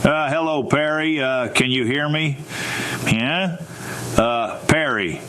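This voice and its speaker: A man calling in to a live stream, teasing the host in a deadpan, mock-earnest way. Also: medium pitch, takes it slowly, a little hiss or hum. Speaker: call-in prankster.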